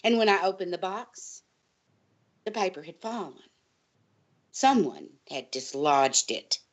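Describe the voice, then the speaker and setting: An actress playing a distraught, paranoid college librarian in an audio drama, earnest and insistent, halting and pleading in her delivery. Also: lowish voice, animated. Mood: anxious, wounded. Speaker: guest on a college radio show.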